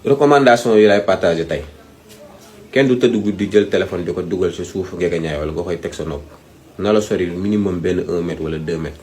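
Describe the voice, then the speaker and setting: Low-voiced Senegalese man, emphatic advice talk. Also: a little mellow, slight background noise. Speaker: speaker giving health advice. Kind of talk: informal advisory talk, Wolof mixed with French.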